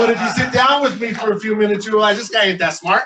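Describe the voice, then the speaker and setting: A man speaks in an animated, bright, sharp tone with extremely high pitch. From New Mexico, Albuquerque. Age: 40s. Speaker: lawyer and motivational speaker. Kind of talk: motivational talk. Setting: live event with audience.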